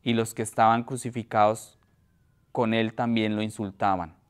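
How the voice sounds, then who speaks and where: A man preaching in a church, reading a scripture passage aloud and then explaining it with frequent pauses and restarts. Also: lowish voice, level tone, clear, resonant tone. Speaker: pastor.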